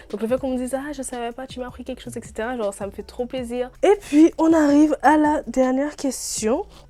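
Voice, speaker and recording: Animated tone from a woman at high pitch, with ordinary pitch variation, big swings in loudness, a fairly quick pace and hardly any pauses. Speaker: YouTuber. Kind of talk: casual chat. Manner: fast.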